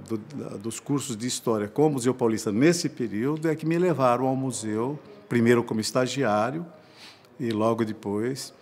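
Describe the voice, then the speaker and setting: A man, a museum historian, explaining his career in a measured tone in a documentary interview. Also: fairly low pitch, gravelly, a little mellow.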